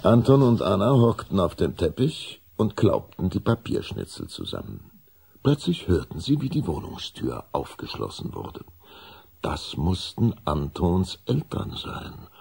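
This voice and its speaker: A man with a gravelly, husky voice, acting as narrator of a children's vampire tale in an audio drama. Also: low-pitched, wildly swooping pitch, a little slow, a little mellow, exaggerated voice. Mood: storytelling.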